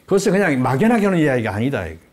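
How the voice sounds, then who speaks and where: A man's voice: medium pitch, rapid-fire, husky. An older man giving an explanatory talk-show lecture as a guest expert, posing rhetorical questions and answering them in an emphatic, teacherly way. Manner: lively, emphatic teacherly delivery.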